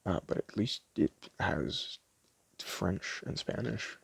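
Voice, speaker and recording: A man doing a casual ASMR store-clerk roleplay, rambling offhandedly and stumbling as he reads blurbs, with a gravelly voice on a noisy home recording. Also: sits low, takes it slowly. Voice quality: gravelly, creaky. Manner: rambling, offhand, stumbles when reading aloud. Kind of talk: casual ASMR roleplay, chatting and reading movie blurbs aloud.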